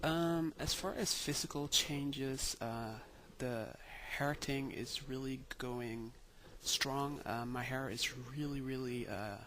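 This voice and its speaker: Slow, hesitant young man. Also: medium pitch, fairly bright tone, slight background noise. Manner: hesitant, many ums and pauses. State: tired. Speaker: vlogger. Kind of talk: casual video diary.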